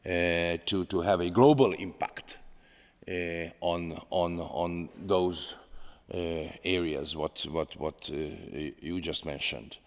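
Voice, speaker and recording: A man in his fifties with a Hungarian accent, speaking formally and haltingly as he answers questions from a panel. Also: low-pitched, steady tone. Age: 50s. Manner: halting, hesitant with many pauses. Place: large parliament chamber. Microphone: gooseneck desk microphone. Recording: echoey large hall, long reverb.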